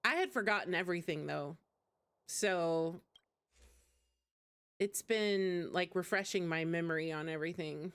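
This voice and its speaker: A woman with a fairly low, smooth, slightly bright voice hosts a game livestream, chatting informally and replying to viewers as she plays, at a measured pace with frequent pauses. Game music plays behind her voice.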